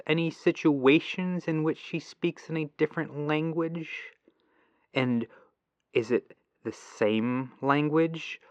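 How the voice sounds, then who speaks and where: A helpful male tech support agent , acted by a man, talks softly and politely in an ASMR phone roleplay. He is very unhurried, musing aloud with pauses, and his mid-pitched voice has a creaky edge. The sound is a dull, lo-fi telephone line. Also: no room sound. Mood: curious, explaining. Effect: lo-fi telephone filter.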